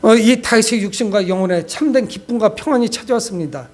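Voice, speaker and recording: A man's voice: sits high, fast, a little mellow. A man preaching a sermon as a pastor, exhorting his congregation with frequent direct appeals and rhetorical questions. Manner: exhortative, addresses listeners often with rhetorical questions.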